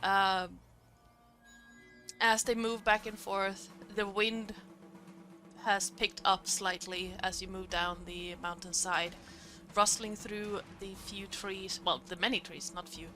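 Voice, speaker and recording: Bright crisp-sounding woman dm, german first language, lots of uhs, faint music under her. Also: medium pitch, flat delivery. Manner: halting, many fillers, quick laughs. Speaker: game master. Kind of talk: narrating a tabletop game and chatting.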